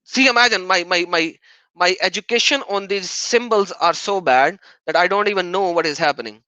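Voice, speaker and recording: Insistent, sharp-voiced male streamer. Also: high-pitched, moderate pace, dry recording, low-quality recording. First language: Urdu. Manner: combative, repeats his point insistently. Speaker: livestream host reading viewer donations. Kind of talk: heated livestream debate.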